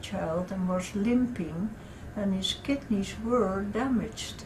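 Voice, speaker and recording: Very slowly, a woman speaks at a medium pitch over noticeable background noise. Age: 80s+. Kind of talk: interview answer.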